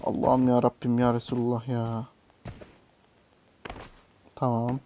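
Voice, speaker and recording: Playing a mobile game, a young gaming YouTuber mutters casual commentary in a slow, monotone, dark-toned, mid-range voice, swearing or yelping at every failed jump. Slight background noise can be heard.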